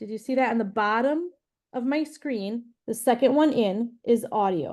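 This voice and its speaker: A woman with a Wisconsin accent at a fairly high pitch, moderate pace and ordinary pitch variation, against a quiet background. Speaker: travel agent. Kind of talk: tutorial. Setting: video call. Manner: casual.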